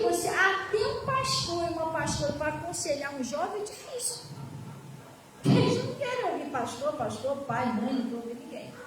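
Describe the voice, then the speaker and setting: A woman pastor preaching a sermon, telling a story emphatically and turning to the congregation. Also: high-pitched. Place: church hall. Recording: echoey hall from far off, faint noise.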